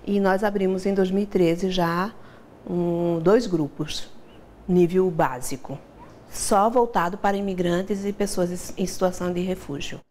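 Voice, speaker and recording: A woman's voice: on the low side, steady tone, a little slow, a little mellow, slight background noise. A middle-aged woman teacher speaking in an interview, thoughtful and hesitant, with a lapel mic in a classroom. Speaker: language teacher.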